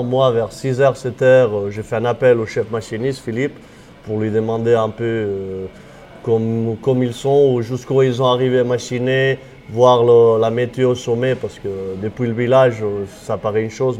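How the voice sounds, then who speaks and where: A man with a singsong Catalan-tinged accent, mixed with southern French and Swiss touches. He works as a ski patroller and talks about his job in a relaxed, chatty way, pausing often to find his words. Faint noise hums behind him. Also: medium pitch. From Cerdagne, Pyrenees. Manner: relaxed, chatty, frequent hesitations. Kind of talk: casual interview. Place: ski area staff building.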